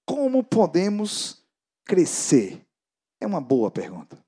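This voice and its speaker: A Brazilian man preaching a sermon as pastor to a church gathering, emphatic and swinging between loud exhortation and hushed prayer. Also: high voice, huge pitch swings, takes it slowly, breathy edge.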